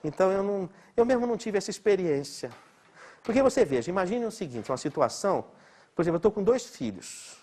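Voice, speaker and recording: A man's voice: sits high, sing-song, quick pace, darkish tone. A middle-aged man from Brazil giving a chatty, informal lecture, laughing often and asking his listeners rhetorical questions. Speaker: doctor lecturing.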